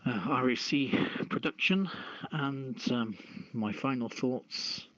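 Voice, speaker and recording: A man hosting a casual live radio show with a halting delivery. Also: mid-range voice, fairly bright tone. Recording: dull, echoey online radio channel audio.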